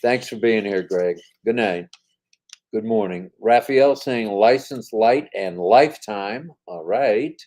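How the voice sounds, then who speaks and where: Chatty older man with a mellow voice. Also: on the low side, slow. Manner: upbeat and chatty, reads comments with emphasis. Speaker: co-host of a live chat stream. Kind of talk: casual live-stream chat, reading viewer comments aloud.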